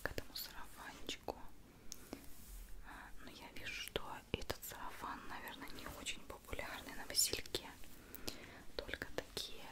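A woman whispers from very close, as if right in your ear. She speaks in an ASMR chat style, gushing and affectionate. Every phrase stays soft and breathed into a microphone at her lips. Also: moderate pace, pauses often. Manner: gushing, affectionate, fond of diminutives. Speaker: ASMR video host. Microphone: large studio microphone right at the mouth.

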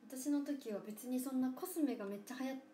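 Young woman in her twenties, idol livestream host, soft near-whispered chat, slightly high voice, roomy room with a faint hum. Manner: soft-spoken, often drops to a near whisper; playful drawn-out thank-yous to viewers.

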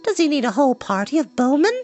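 A man's voice: very high-pitched, very animated, quick pace, darkish tone, pitched above the performer's own voice. A man voicing a polite, prim young princess who questions pointedly in a storybook read-aloud. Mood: doubting, insistent.

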